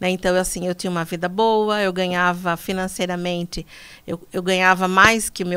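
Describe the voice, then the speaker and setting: A woman with a bright, sharp tone and medium pitch speaks at a moderate pace with monotone, flat intonation, in a very clean recording with a silent background. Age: 60s. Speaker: speaker, mentor and therapist. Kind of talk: podcast interview.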